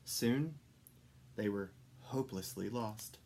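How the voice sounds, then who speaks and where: A man reading a children's story aloud as an expressive narrator. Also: fairly low pitch, takes it slowly. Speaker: storybook reader.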